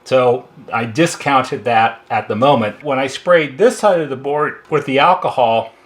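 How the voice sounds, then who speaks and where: A man's voice: mid-range voice, a little slow. An American man giving an informal, hands-on repair walkthrough as a technician, explaining step by step in a conversational way. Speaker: electronics repair technician demonstrating.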